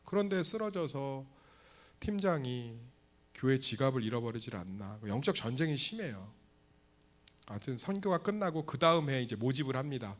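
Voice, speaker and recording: A male pastor preaching a lively sermon in a church, joking and throwing rhetorical questions at the congregation. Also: mid-range voice, normal speed. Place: church sanctuary.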